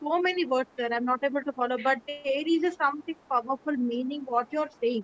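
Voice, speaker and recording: A woman with a Telugu accent talks at a fairly quick pace with hardly any pauses, her pitch high and her intonation fairly even. The sound is dry and close with no echo, and her loudness stays very even. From India. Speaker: meditation session participant. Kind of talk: audience question. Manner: halting.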